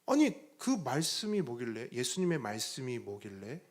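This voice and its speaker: A man preaching a sermon as pastor. He asks the congregation rhetorical questions and moves between soft, low phrases and loud, emphatic ones. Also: very animated, normal speed.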